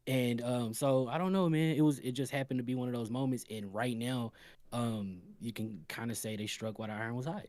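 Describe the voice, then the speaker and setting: A man's voice: medium pitch, fairly even intonation, a little fast, darkish tone, no echo. A man bantering in an informal, slangy way as a panelist on a gaming show. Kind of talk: casual bantering talk.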